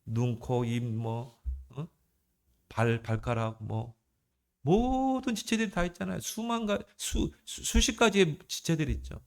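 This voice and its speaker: A man's voice: medium pitch, unhurried. A male pastor delivering a sermon in a conversational style, asking the congregation questions and varying his emphasis. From South Korea. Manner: conversational preaching with rhetorical questions and shifting emphasis.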